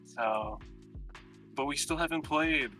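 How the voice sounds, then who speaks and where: A man's voice: a little high, slow pace, pushed and bright. A young adult man from the United States with an American accent, a guest in a casual chat, easygoing and joking. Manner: easygoing, laid-back and joking. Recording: faint background music.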